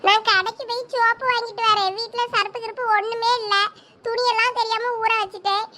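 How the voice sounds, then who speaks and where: A woman voicing a talkative, nosy village woman in an animated comedy. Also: very high voice, brisk. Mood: chatty. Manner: gossipy, rambling.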